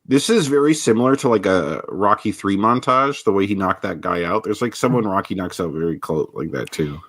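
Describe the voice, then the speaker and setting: Man, low voice, relaxed opinionated film chat, dry close recording. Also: brisk, no room sound. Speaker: podcast co-host. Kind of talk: casual film commentary chat.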